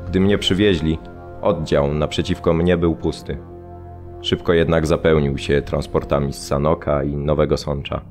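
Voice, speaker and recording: An actor playing a sombre former political prisoner, recalling his past in a measured, reflective radio drama monologue. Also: rumbling low, fairly even intonation, a little mellow, soft background music. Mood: grave, reflective.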